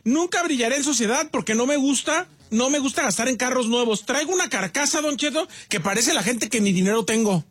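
A man's voice: extremely high pitch, expressive, brisk, hardly any pauses, a bit bright, husky. A man, co-hosting a comedy show and reading listener comments in a chatty way. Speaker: co-host.

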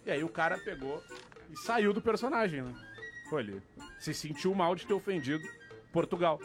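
A man with a southern Brazilian gaúcho accent on a radio panel, casually telling jokes in a halting, conversational way. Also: a little high, lively intonation. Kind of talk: casual joke telling and banter. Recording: music bed behind the voice. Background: clear background music.

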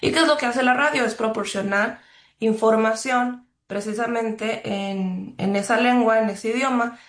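A woman from Ecuador, a journalist, answering interview questions in a thoughtful, measured way with frequent fillers and restarts. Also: fairly high pitch. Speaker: journalist guest. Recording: roomy echo.

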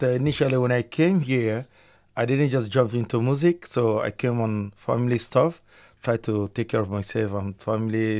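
A man's voice: on the low side, darkish tone. A man from Nigeria, guest musician on a casual radio interview, upbeat and repeating his phrases.

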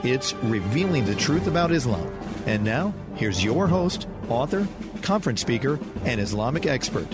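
A man's voice: mid-range voice, sing-song, moderate pace, music in the background. A man announcing a radio show opening in a dramatic, emphatic scripted style.

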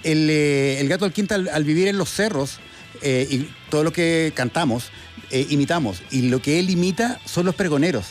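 A man's voice: fairly high pitch, normal speed, soft background music. A Chilean man co-hosting a casual radio chat, reflective and hesitant, with many fillers. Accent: Chilean Spanish. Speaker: radio co-host.

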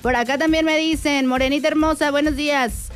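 A woman's voice: sits high, steady tone, fairly quick. A woman with a northern Mexican Spanish accent hosting a chatty, effusive live radio show, reading listener messages and using affectionate diminutives. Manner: effusive, uses pet names and diminutives. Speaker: radio host. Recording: radio broadcast with music underneath.

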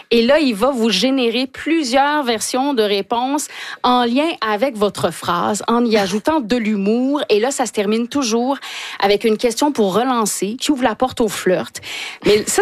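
A woman's voice: a little high, dry recording. A woman, presenting a chatty radio segment as a columnist.

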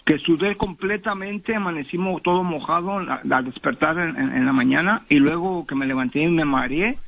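A man calls in to a radio show to tell his own story, stumbling through it with fillers and restarts. His voice is husky and a little high for a man. He comes through a thin, tinny phone line. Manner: halting, many fillers and restarts. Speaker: caller. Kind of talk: telling a personal story on a call-in show.

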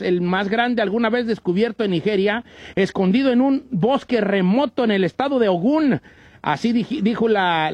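A man's voice: high-pitched, dry recording, muffled recording. A man voicing a folksy old Mexican ranchero with a Mexican accent, rambling and joking through comic radio news, stumbling over words. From Michoacán, Mexico. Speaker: co-host presenting comic news.

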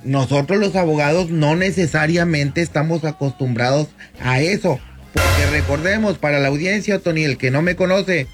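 A fifty-year-old man talks through his points patiently in a radio booth, a lawyer laying out his ideas. His voice sits a little high for a man. A faint music bed runs quietly underneath. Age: 50s. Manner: measured, explanatory, often addresses the host by name. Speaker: lawyer guest on radio show. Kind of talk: radio talk segment.

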